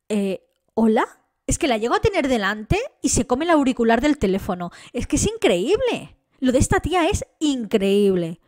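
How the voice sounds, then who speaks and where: A young woman with an accent from Spain, telling a true crime story in a casual, indignant way and talking straight to her viewers. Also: fairly high pitch. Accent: Spain Spanish. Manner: indignant, chatty, addresses viewers directly.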